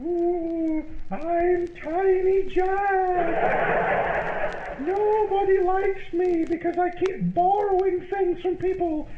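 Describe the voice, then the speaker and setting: Pitiful small boy, squeaky whine, radio comedy, muffled noisy recording. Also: steady tone, takes it slowly. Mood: whiny, mournful. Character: whiny ghostly little boy, sad and unliked. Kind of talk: old-time radio comedy acting. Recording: muffled, roomy, noisy old-radio sound.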